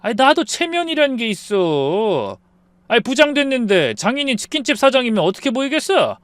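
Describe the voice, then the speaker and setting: Guy doing a mean drunk husband, high and loud, sneery, dry close mic. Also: big pitch swings, moderate pace, dry recording. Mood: shouting. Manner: sneering, shouting, whiny. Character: arrogant drunk husband, newly promoted, sneering.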